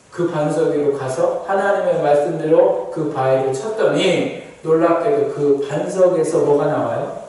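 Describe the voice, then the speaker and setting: A man preaching as a pastor, constantly asking the congregation questions and swinging between raised, emphatic lines and low, quiet ones. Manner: asks the congregation rhetorical questions again and again. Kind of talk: sermon. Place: church sanctuary. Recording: very echoey church, voice from a distant mic.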